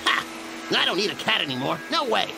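A man playing an excitable, grumbling logger in a cartoon dub, with exaggerated, exclamatory delivery. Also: sits high, fairly quick, gravelly, loud music behind the voice, exaggerated voice, low-quality recording. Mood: flustered, grumbling. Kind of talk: animated cartoon dub acting.

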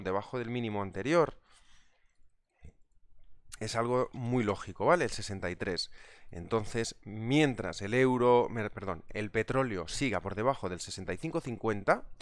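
Chatty man, smooth low voice. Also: no room sound. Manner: chatty, reads out viewer comments. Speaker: trading instructor. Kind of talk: live market analysis webinar.

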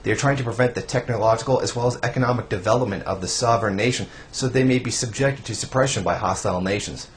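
A young man reading scripted political news commentary in a formal, measured newsreader manner. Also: mid-range voice. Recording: faint background noise.

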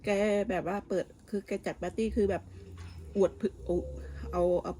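A woman's voice: fairly low pitch, flat delivery, normal speed, dark tone, a little hiss or hum. Woman chatting over kitchen clatter. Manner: gossipy, talks with many restarts and fillers. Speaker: vlogger. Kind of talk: casual chatty storytelling. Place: home kitchen abroad.

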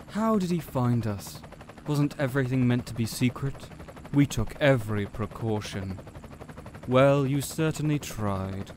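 A man playing a cold, condescending villain mastermind in an audio roleplay, delivering a slow, theatrical monologue. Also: lowish voice, noisy background, lightly acted.

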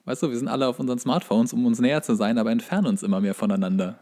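A man's voice: medium pitch, steady tone, very fast, dark tone. A man co-hosting a podcast in casual comedic chat, joking and ironic. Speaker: podcast co-host.

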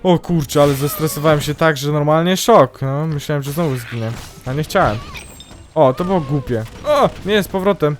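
A young man commentating his own gameplay, excitable and yelping loudly whenever something goes wrong. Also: on the high side, moderate pace, faint music behind. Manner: excitable, yelps and shrieks at mishaps. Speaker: gaming YouTuber. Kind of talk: let's play commentary.

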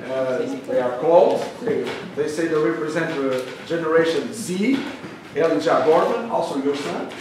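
A man in his fifties from the Azores introducing a speaker on a stage, halting often with fillers and restarts. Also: on the high side. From Portugal, Azores. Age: 50s. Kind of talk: hesitant formal introduction. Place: stage of a small venue, indoors. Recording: echoey hall from a distance, noisy.

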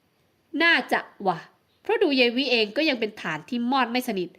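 A woman's voice: high-pitched, very animated, moderate pace, fairly bright tone. A woman reading a romance audiobook, voicing a thoughtful young male doctor reasoning casually with a friend. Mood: musing. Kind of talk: audiobook romance novel acting.

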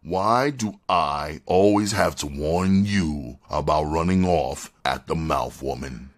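A man voicing a tough, menacing young hoodlum in a crime audiobook, rough, bossy and profane. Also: extremely low pitch, slow.

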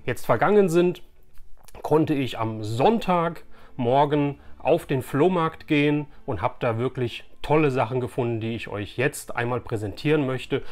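Chatty, enthusiastic man from Germany. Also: mid-range voice. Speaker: YouTube host, toy collector. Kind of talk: casual chat to camera. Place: small furnished room lined with shelves of collectibles.

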